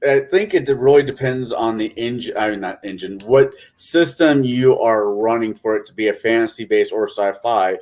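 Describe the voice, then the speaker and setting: A man's voice: on the low side, moderate pace, few pauses, a little mellow. A man on a podcast panel discussing casually, hesitantly circling back to rephrase his points.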